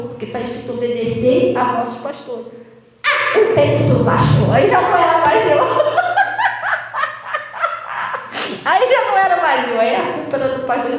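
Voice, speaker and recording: High-voiced Brazilian woman pastor, echoey hall. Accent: Brazilian Portuguese. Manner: animated storytelling, acting out quoted voices, laughing often. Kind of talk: sermon with storytelling. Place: church hall. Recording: echoey church hall, voice from a distance.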